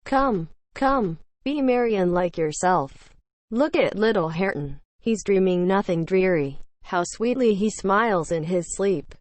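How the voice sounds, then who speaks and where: A woman's voice: medium pitch, expressive, unhurried, dry recording, natural voice. Woman reading as blunt, scolding housemaid. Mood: coaxing. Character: blunt, scolding, superstitious female household servant.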